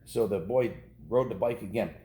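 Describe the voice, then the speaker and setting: A man's voice: lowish voice, normal speed, dark tone, slight background noise. A man casually reading a children's novel aloud, ad-libbing informal asides to kids in a home setting. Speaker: storybook reader. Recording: roomy, echoing indoor sound.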